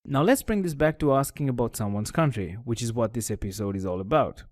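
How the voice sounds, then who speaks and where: A man teaching a language lesson in a scripted voice-over, his pitch rising and falling with lively emphasis. He explains each step in a clear, methodical way. The recording is dry and close, with no room sound. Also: fairly quick, no room sound. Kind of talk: scripted tutorial narration.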